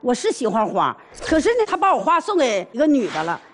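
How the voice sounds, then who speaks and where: A woman's voice: a little high, wildly swooping pitch, brisk. A woman, telling her side earnestly on a talk show. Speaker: guest wife. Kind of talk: emotional talk-show testimony.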